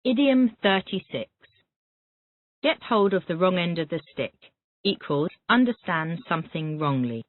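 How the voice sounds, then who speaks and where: Over tinny, phone-like audio with no room sound, a mid-range voice with lively intonation reads vocabulary words aloud. It's an English teacher in a Callan method drill, following each word with fast, repetitive questions.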